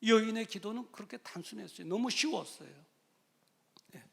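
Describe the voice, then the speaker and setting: A male pastor preaching a sermon, emphatic and repeating key phrases, swinging between loud calls and quiet asides. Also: high-pitched, normal speed, vocal fry, in a large hall. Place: church sanctuary.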